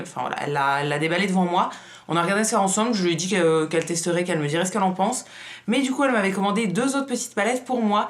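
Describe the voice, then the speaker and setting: A woman vlogger who has just woken up, chatting casually with a tired morning voice. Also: lowish voice. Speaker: beauty vlogger. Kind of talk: casual vlog chat.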